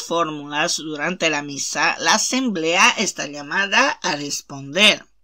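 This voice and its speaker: A woman speaks at a fairly low pitch amid noticeable background noise. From Italy. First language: Italian (speaking Spanish). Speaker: religious channel host. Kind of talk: religious talk. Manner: hesitant, with fillers.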